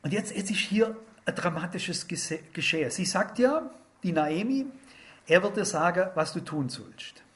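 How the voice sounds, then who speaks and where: An older man preaching a sermon, retelling a story and quoting scripture with animated, dramatic delivery. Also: high voice, a little slow.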